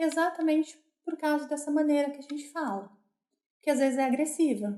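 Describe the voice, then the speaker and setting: The woman's tone is dark and mellow. She keeps a moderate tempo. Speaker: course instructor on epidemiology. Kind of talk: online lecture. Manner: loud.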